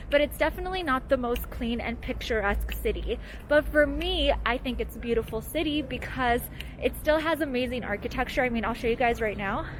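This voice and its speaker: A woman's voice: high-pitched, a little hiss or hum, low-quality recording. Chatty Canadian woman vlogging outdoors. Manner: chatty, upbeat, addresses viewers directly. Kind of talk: casual walking vlog. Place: outdoors in a city street.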